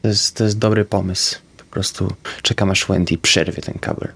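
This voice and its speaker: A man, a player in a tabletop roleplaying game, haltingly narrating his own moves. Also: low-pitched, level tone, a bit bright, breathy edge.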